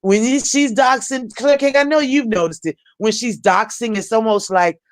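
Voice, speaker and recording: A woman's voice: fairly high pitch, normal speed, no echo. Earnest American woman, close dry sound. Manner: earnest, conciliatory. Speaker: host of a live panel chat. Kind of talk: casual chat.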